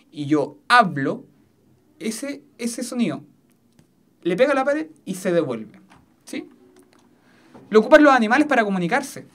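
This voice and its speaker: In a foam-lined studio, a teacher with a medium-pitched voice records a physics lesson. The explanation proceeds step by step, with frequent checks that students are following along.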